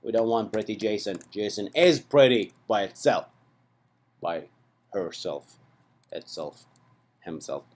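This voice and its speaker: A man's voice: fairly low pitch, lively intonation, slow, long pauses. A man teaching programming in a casual, chatty tutorial, often checking in with the listener with asides. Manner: chatty and playful, with frequent "right?" and "okay" asides. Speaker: programming instructor. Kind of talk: casual screen-recorded coding tutorial.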